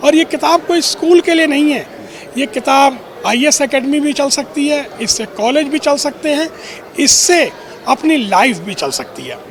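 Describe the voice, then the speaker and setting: A man speaks at an extremely high pitch. Noticeable background noise can be heard. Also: ordinary pitch variation. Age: 60s. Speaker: author and school founder. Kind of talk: interview. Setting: book launch event.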